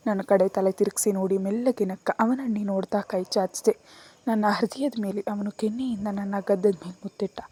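Brief: young female storyteller, soft and emotional, first-person romance read. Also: mid-range voice, fairly even intonation, brisk, breathy edge. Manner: tender, emotional.

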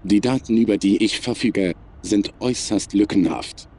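A man playing a cold, superior, menacing artificial intelligence in a science fiction audio drama, speaking in a measured, formal, emotionless way. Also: fairly low pitch, a little mellow, close to an everyday voice. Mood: analytical, detached.

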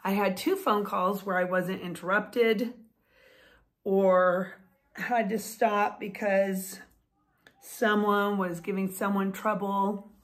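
Her mid-range voice is flat and slow, yet this woman in her fifties, a vlogger and author, comes across as chatty and enthusiastic in her casual home vlog. She gestures with her hands while a nearby phone or webcam records her indoors.

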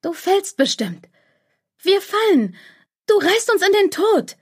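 A high-pitched, girlish inner voice, as a woman reader puts it on, pushy and fearmongering, pressing its worries in an audiobook. It wheedles and insists, a little breathy and husky at the edges. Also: sing-song, normal speed, a little mellow, exaggerated voice. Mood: panicky. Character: nagging anxious inner voice, girlish, clingy.

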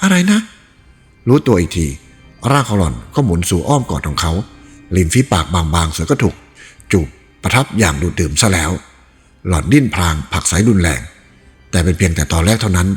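A man narrating a novel aloud in an expressive storytelling read. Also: low-pitched. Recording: reverberant room with faint music.

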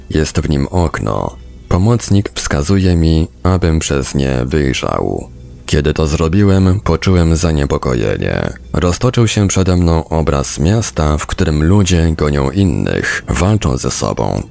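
Very deep, gravelly male narrator. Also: a little mellow. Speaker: audiobook reader, podcast narrator. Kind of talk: scripted narration, book reading.

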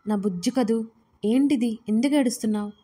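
A woman voicing a young man who gently reassures his upset partner. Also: on the high side, fairly quick, husky. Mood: soothing.

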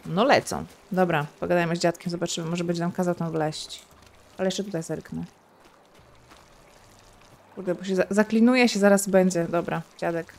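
A woman's voice: on the low side, fairly even intonation, moderate pace, gravelly, pauses often, darkish tone, a little hiss or hum. A woman casually commenting while playing a game, thinking aloud and adding playful sound effects over faint game sounds. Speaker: gaming streamer. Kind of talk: casual let's-play commentary.

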